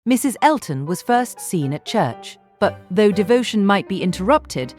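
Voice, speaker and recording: A woman narrating a classic novel audiobook in a measured, articulate, literary style. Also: mid-range voice, big pitch swings, a little mellow, soft background music.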